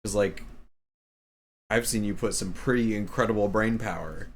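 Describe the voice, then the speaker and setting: A woman's voice: a bass voice, moderate pace. A woman streamer chatting casually and playfully, laughing often. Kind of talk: casual chat.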